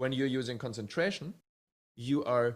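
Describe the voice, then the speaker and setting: With a German accent, a man speaks with ordinary pitch variation. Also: very clean recording, silent background. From Germany. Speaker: mindset coach. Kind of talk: interview conversation with guided-awareness explanation.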